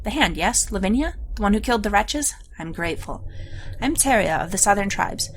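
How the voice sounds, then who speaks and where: A woman voicing a weary, heat-stricken tribal woman, reading softly and reservedly. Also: medium pitch, expressive, a little fast, slight background noise, natural voice.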